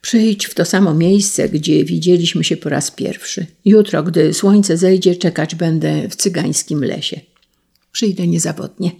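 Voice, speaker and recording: A reader voicing a desperate young princess pleading with her father, in a husky voice. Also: mid-range voice, steady tone, measured pace, warm tone. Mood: hushed. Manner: pleading, emotional.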